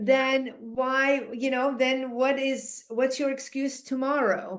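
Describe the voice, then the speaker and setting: Very slowly and in a monotone, flat intonation, a woman with a high pitch speaks amid audible room echo. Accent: non-native. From Europe. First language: not English. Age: 60s. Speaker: physical therapist. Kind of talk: interview.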